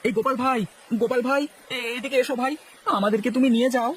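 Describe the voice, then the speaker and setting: Worried kindly landlord. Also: male voice, very high voice, steady tone, fast, a little hiss or hum, poor audio. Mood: urgent calling. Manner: calls out with a drawn "e-" before lines. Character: kindly village landlord, middle-aged man. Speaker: cartoon voice actor. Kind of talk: dubbed cartoon acting.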